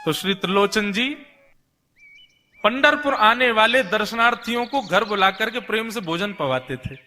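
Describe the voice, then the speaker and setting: High, bright-voiced male Hindu storyteller, long reverb. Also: animated, moderate pace. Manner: conversational, repeats phrases, voices characters' dialogue. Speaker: Hindu devotional storyteller, preacher. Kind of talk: devotional katha storytelling sermon, acting out dialogue.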